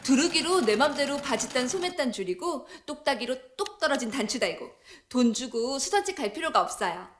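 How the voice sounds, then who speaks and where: A woman gives a customer testimonial for an infomercial. Her voice is a little high, and faint music plays behind her. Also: very animated, a little fast, hardly any pauses.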